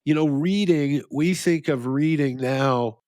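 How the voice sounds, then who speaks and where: A man's voice: a little high, slow, a little mellow, dry recording. Man, podcast co-host, casual musing, rambling, dry close sound. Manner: rambling, restarts often, laughs at own jokes. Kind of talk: casual philosophical chat.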